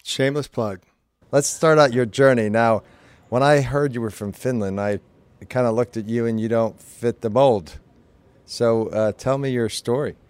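A man hosting a podcast interview, upbeat and joking, jumping in with quick follow-up questions. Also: mid-range voice, a little mellow, smooth, no echo. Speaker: podcast host. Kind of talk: casual interview.

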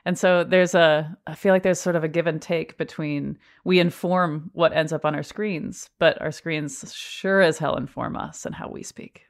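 Low-voiced woman hosting a chat. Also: fairly even intonation, moderate pace, hardly any pauses. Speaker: host. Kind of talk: podcast conversation.

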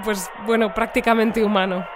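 A woman's voice: medium pitch, fairly even intonation, moderate pace, crowd noise, background noise, close to an everyday voice. A woman playing a chatty, polite news presenter in an audio drama.

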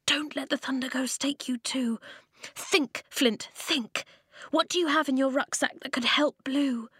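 A woman plays a brave young storybook heroine. The voice is an urgent, raised whisper, insistent and steady, recorded dry. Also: high-pitched, measured pace, dry recording, voice pushed up. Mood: urgent, encouraging. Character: brave, urgent young girl leading her friends.

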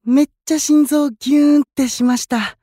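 A man voicing a gentle, playful young male idol who speaks, in a voice drama. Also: very high-pitched, fairly even intonation, normal speed, no room sound, studio quality. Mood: friendly. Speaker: young station-worker idol in a unit. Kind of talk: anime-style voice drama acting.

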